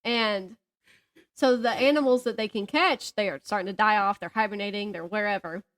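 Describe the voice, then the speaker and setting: A woman chatting casually as a podcast co-host, telling stories in an animated way and acting out what people said. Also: medium pitch, moderate pace. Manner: animated storyteller who acts out reported dialogue and jokes at herself. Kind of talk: casual chat, storytelling.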